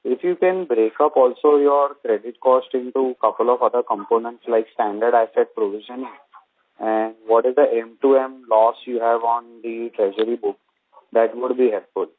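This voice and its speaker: A man's voice: mid-range voice, fairly even intonation, normal speed, no echo. A man speaking as a financial analyst, politely asking questions on an earnings call. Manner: polite, deferential. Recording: narrow, muffled phone line.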